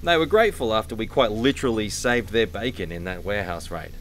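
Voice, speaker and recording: A man's voice: on the low side, expressive, quick pace, fairly bright tone, a little hiss or hum. A man acting in an audio drama as an easygoing, cheerful starship crewman with a jokey, casual manner. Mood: cheerful, showy.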